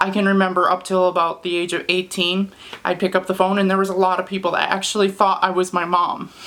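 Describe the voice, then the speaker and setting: Over noticeable background noise, a woman speaks at a very fast pace in a monotone, flat intonation at medium pitch. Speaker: vlogger. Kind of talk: casual rant to camera. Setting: talking to camera. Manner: confident.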